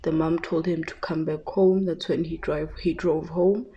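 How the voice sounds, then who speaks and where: Soft-spoken, hesitant woman. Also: low-pitched, steady tone, normal speed, muffled recording. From South Africa. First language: Tshivenda. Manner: hesitant, many fillers and restarts. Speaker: tarot reader. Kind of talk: casual psychic reading.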